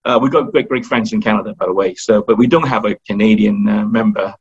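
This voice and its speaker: A man's voice: fairly low pitch, fast talker, slightly rough. A man with an Australian accent, talking hesitantly as an interview guest with many fillers and restarts. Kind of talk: casual interview talk. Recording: dull lo-fi recording.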